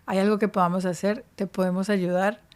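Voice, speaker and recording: Flat-toned woman giving career advice. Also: mid-range voice, brisk. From Spain. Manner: explanatory, evenly paced answers. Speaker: podcast guest, career advisor. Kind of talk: interview podcast.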